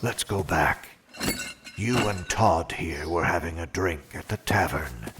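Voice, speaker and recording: Audio drama interrogator, not human. Very deep, deliberate, controlling, chilly formality, very slow delivery. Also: male voice, noisy background. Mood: cold, measured. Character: cold, controlling inhuman interrogator who oversees mortals. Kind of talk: audio drama with first-person narration.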